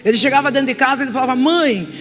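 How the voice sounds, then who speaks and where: A middle-aged woman with a Brazilian Portuguese accent giving an emotional testimony sermon as a guest preacher, moving from soft confession to loud exhortation. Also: fairly high pitch, moderate pace. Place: church hall. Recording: reverberant church hall with music.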